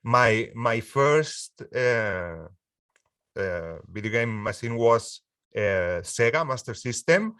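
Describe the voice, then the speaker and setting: A Spanish man in his forties, a music producer speaking English as a second language in a casual interview, halting with frequent restarts and easy laughter. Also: mid-range voice, expressive, fairly bright tone, clean tone, no echo, clean studio sound, far from the mic. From Spain.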